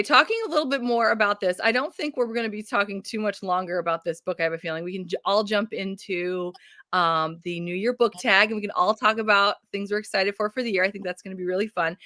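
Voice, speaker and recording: A woman's voice: medium pitch, pushed and bright, dry recording, studio quality. A woman hosting a casual book chat over a video call, upbeat and chatty, laughing often. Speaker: booktube host.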